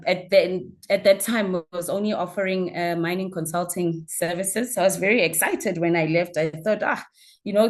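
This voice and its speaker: A woman with a South African accent introducing herself as a guest speaker in an informal online talk, phrasing things haltingly with repeated words. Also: mid-range voice. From Mpumalanga, South Africa. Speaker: guest speaker, mining entrepreneur. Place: online video call.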